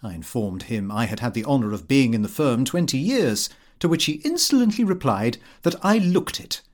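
A man's voice: medium pitch, big pitch swings, normal speed. A man with a British accent narrating a comic diary in a prim, precise, formal storytelling manner. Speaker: audiobook reader. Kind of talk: scripted narration of a comic fictional diary, read in character as the diarist.

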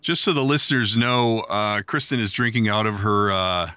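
Podcast co-host, middle-aged man, bright, forceful voice, dry close sound, animated joking delivery. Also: fairly low pitch, normal speed, smooth, no echo. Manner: joking, animated, laughs often. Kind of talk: casual chat.

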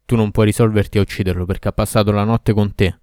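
A man voicing a cruel, furious male demon who shouts accusations and orders in a storybook reading. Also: lowish voice, fairly quick, no echo, clean studio sound, natural voice. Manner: loud, commanding, accusing.

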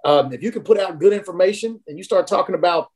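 A man from Tennessee, a recovery advocate appearing as a guest on a casual podcast, speaks earnestly and encouragingly. His voice is high and a little mellow, and he talks fast.

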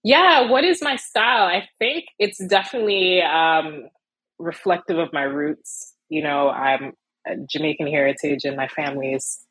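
Low husky woman, animated and laughing. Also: normal speed, dry recording, low-quality recording. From Miami, USA. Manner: animated, laughs often, many fillers. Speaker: illustrator guest. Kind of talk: casual interview chat.

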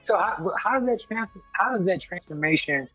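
A man's voice: high-pitched, animated, normal speed, bright, forceful tone, breathy edge, dry recording, highs cut off, soft background music. Playful slangy man interviewer. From Detroit, Michigan, US. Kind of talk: casual celebrity interview.

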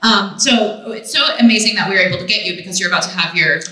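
A bubbly woman co-host with a bright, forward voice that swings up and down in pitch. She chimes in quickly, and her voice rings out in a very echoey live venue. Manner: bubbly, lots of pitch variation, quick affirmations. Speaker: podcast co-host. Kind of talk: casual live podcast chat. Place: live comedy club stage.

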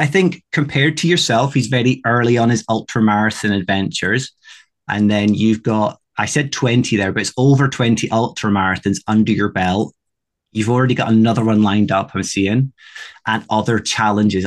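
Low-voiced Scottish man hosting a podcast. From Scotland. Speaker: podcast host. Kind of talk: casual interview chat.

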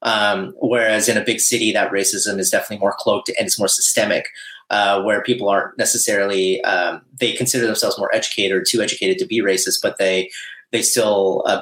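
Guy from ontario guesting on a podcast, lowish voice, thinks out loud with lots of ums, roomy echo. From Canada (Ontario), born in Bangladesh. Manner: thoughtful, many fillers and restarts. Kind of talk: casual interview talk. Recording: echoey room.

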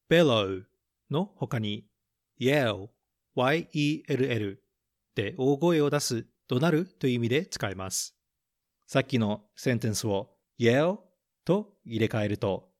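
This medium-pitched man handles a bilingual storybook reading and English lesson. He reads each English line with slow care, follows it with Japanese, and afterward explains the phrases plainly, like a podcast host.

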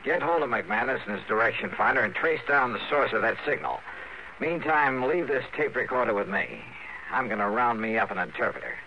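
A man playing a tough, decisive investigator hero in a 1950s radio drama, with clipped delivery and a gravelly voice. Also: mid-range voice, a little fast, a little hiss or hum, lightly acted. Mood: urgent, decisive. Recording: dull vintage radio broadcast with music.

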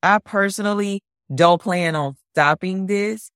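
A woman with a deep voice co-hosting a podcast, chatting in an upbeat, energetic way close to her mic. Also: a little slow, clear, resonant tone, dry recording. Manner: upbeat, energetic, says "like" often. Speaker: podcast co-host. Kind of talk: casual podcast chat.

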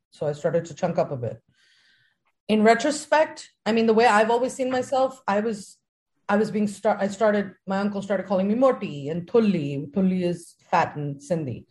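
A woman's voice: fairly low pitch, a little mellow. A woman co-hosting a casual podcast chat, telling a personal story in a candid, reflective way. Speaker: podcast co-host.

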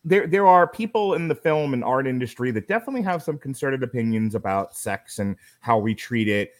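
A man co-hosting a movie review podcast, chatting casually and emphatically, sometimes acting out quoted lines. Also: medium pitch. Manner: animated, emphatic, acts out quoted voices.

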